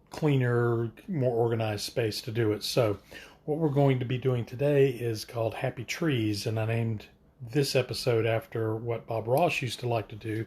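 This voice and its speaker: A man with a medium pitch speaks at a moderate pace, somewhat breathy and with fairly even intonation. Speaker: art tutorial host and stroke survivor. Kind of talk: casual tutorial livestream. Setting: indoors, Instagram live video. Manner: hesitant, with occasional stutter-like pauses; casual and filler-heavy.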